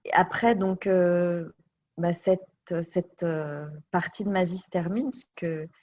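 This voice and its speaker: A woman with a fairly low voice looks back on her life in an interview, thoughtful and searching for the right words as she goes. The sound is dull and a little lo-fi. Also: steady tone, slow, a little mellow. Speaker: interview guest. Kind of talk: personal storytelling interview. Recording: dull lo-fi recording.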